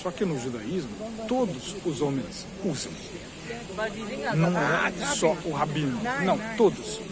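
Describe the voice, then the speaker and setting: A man's voice: on the high side, animated, measured pace. A man with a Brazilian Portuguese accent gives rambling, informal commentary as a vlogger, explaining at length and repeating himself for emphasis. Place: among a crowd in a queue outside a cathedral. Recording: busy crowd noise with hiss. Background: crowd chatter.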